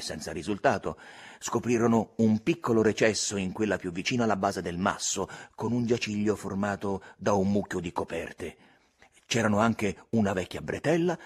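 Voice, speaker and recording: A man reading a novel aloud as an audiobook, with expressive, varied storytelling. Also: on the low side, breathy edge. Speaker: audiobook reader. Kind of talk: audiobook narration.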